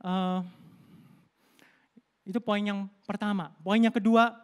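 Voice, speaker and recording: A man's voice: high-pitched, little pitch movement, slow, clean tone. A middle-aged male pastor giving a Sunday sermon in a conversational, storytelling way, calling listeners "brothers and sisters" and dropping in English words. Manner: conversational preaching, addresses listeners as "saudara", tells personal stories. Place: church service.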